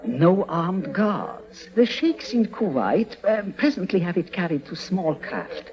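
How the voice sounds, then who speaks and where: A courteous, ingratiating schemer in a 1950s radio drama. His fairly high voice swoops up and down as he hedges around the point. The old recording sounds muffled. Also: expressive, slow, crowd noise. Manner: courteous, hesitant, roundabout. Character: smooth, ingratiating male schemer.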